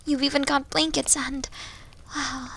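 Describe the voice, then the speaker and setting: A woman's voice: high voice, level tone, measured pace, pushed and bright, heavily acted. A woman voicing a shy, starving young wolf girl in an ASMR roleplay, hesitant, apologetic and stammering, often slipping toward a whisper. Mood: wistful, hesitant. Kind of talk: ASMR roleplay audio drama.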